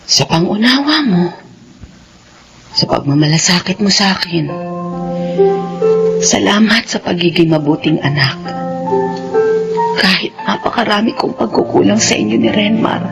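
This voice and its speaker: A woman's voice: medium pitch, animated, unhurried, gravelly, pauses often, music in the background. A middle-aged actress playing a humble nanny and mother who speaks timidly and apologizes again and again in a TV drama. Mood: pleading. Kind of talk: TV drama acting.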